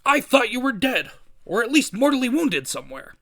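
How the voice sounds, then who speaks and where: A man voicing an exasperated, blustering comic-book newspaper boss in a theatrical, yelling manner. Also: very high voice, big pitch swings, normal speed, voice pushed up, full character voice. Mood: startled bluster.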